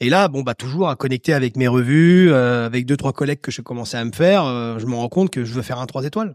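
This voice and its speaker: Very fast speech with hardly any pauses in a Norman accent, on a very clean recording with a silent background and a dry, close sound with no echo. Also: man, medium pitch for a man, ordinary pitch variation. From Normandy, France. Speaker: chef. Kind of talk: interview. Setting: outdoors on a seaside terrace. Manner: halting, many fillers and repetitions.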